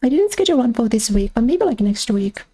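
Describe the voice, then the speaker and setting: A woman's voice: on the high side, big pitch swings, fast, warm tone, slightly rough. A young woman streamer chatting casually as she plays, thinking aloud about missions and thanking subscribers. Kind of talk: casual gameplay commentary.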